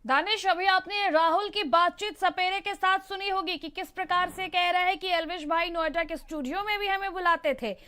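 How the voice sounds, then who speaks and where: Very high-pitched woman news anchor. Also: normal speed, hardly any pauses, pushed and bright. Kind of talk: live news presenting and questioning a reporter.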